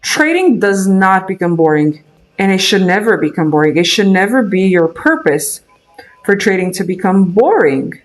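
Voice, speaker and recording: A man's voice: sits high, very animated, normal speed, soft background music. A young man from Romania with a Romanian accent, chatting casually on a live trading stream, thinking aloud with many fillers and restarts. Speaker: day trader streaming live.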